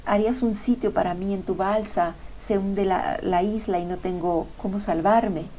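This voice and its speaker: A woman's voice: medium pitch, fairly even intonation, normal speed, mellow, a little hiss or hum, close to an everyday voice. A woman voicing Love as a desperate male figure in a spoken fable, pleading in a raised, frantic voice.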